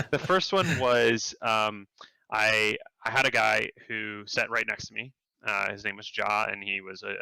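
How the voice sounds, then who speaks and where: Gravelly, bright-toned man telling stories. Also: no echo, low-quality recording. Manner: animated, acts out quotes in a higher voice. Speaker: game developer guest. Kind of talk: casual storytelling interview.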